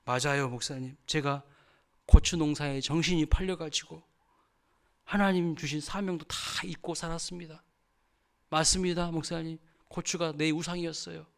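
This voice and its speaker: A shrill, high-pitched older church deaconess, as a preaching man puts her on. She cries out loudly in a strained, raised voice, a pepper farmer quick to complain. The voice sits well above the speaker's own. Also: steady tone, creaky. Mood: repentant.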